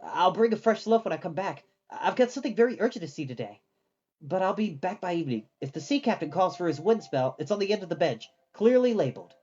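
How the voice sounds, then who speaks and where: A storyteller voicing a hurried, agitated young male apprentice in a fantasy storybook. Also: medium pitch, animated, darkish tone, breathy edge, lo-fi sound.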